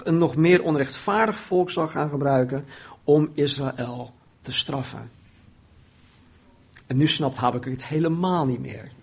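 Man preaching, husky voice, slightly high, rises when pleading, sinks low on solemn lines. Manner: animated, voices the prophet's pleading with rising pitch; drops to a low, quiet tone on solemn points. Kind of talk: sermon.

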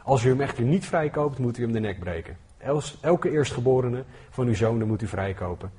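A man delivers a sermon in an earnest, conversational way, his voice a little husky. His pitch sits in the middle, and he reads scripture aloud with growing force. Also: animated, a little fast, dark tone. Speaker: preacher.

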